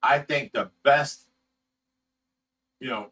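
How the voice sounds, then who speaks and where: A man in his sixties with a bright, forceful voice, chatting on a livestream. He reads comments aloud and tells loose, profane stories. His voice is picked up from a distance. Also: mid-range voice, slow, husky. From Ohio, USA. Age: 60s. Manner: rambling storyteller, swears freely and laughs often. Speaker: fish rescue host. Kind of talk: casual livestream chat reading viewer comments.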